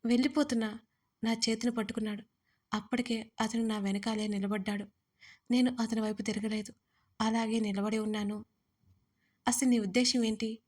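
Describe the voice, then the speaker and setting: A woman's voice: mid-range voice, level tone, fairly quick, darkish tone. A woman reading a first-person romance story aloud, with emotional, dramatic delivery. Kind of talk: scripted first-person narration.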